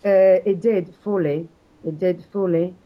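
Low-voiced hesitant woman from South Africa. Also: fairly even intonation, a little slow, phone-quality sound. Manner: hesitant, many fillers and restarts. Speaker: interview guest, exam candidate. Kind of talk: hesitant conversational answers.

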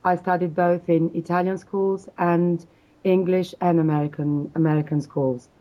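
A woman from South Africa answering interview questions hesitantly, with frequent pauses and restarts. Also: on the low side, little pitch movement, dark tone, lo-fi sound. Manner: hesitant, many fillers and restarts. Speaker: interview guest, exam candidate.

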